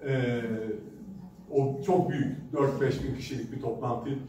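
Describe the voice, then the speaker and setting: A man's voice: mid-range voice, steady tone, measured pace, mellow. Man preaching at a pulpit mic in an echoey hall. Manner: conversational storytelling with hesitant fillers. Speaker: pastor. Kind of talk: sermon. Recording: echoey hall from a distance with background noise.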